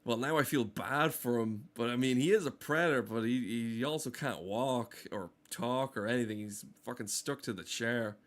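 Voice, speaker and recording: Male streamer, mid-pitched, loose and sweary, riffing irreverently over cutscenes in a casual ramble. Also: moderate pace, hardly any pauses. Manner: profane, irreverent riffing with dark humour. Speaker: gameplay streamer.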